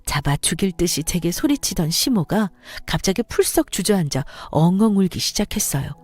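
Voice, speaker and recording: A woman's voice: on the low side, very animated, moderate pace, a little mellow, no room sound, soft background music. A woman narrating a scripted first-person radio story, speaking directly to the listeners. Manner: plain storytelling, talks to listeners.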